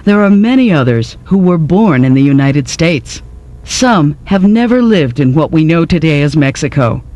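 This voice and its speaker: A man narrates an educational lecture from a script. His voice sits somewhat high for a male speaker, and his delivery is that of prepared instruction. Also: expressive, normal speed, a little mellow.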